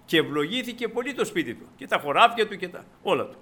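A man's voice: sits high, lively intonation, pushed and bright, husky. A male preacher delivering a sermon, retelling a Bible story and acting out the characters' lines, often addressing listeners as brothers. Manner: dramatizes quotes with shifting voice and volume.

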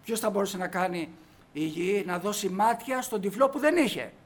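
A man preaching a sermon emphatically, putting rhetorical questions to the congregation. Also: sits high.

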